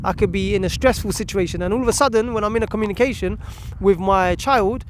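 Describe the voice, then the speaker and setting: A man presenting informal, motivational parenting advice, speaking emphatically in deliberate phrases with pauses. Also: sits high, a little hiss or hum.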